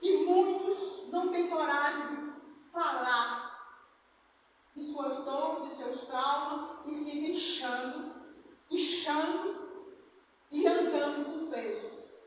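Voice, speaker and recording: Against audible room echo, a woman speaks very slowly in a high voice, with long, frequent pauses, big swings in loudness and ordinary pitch variation. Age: 60s. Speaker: preacher. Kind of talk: sermon. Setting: church. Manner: animated.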